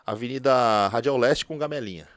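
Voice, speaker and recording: A man's voice: medium pitch, fairly quick, fairly bright tone, no echo. A man, a former police officer telling stories in a slangy, casual conversation. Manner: storytelling, slangy, repeats filler words.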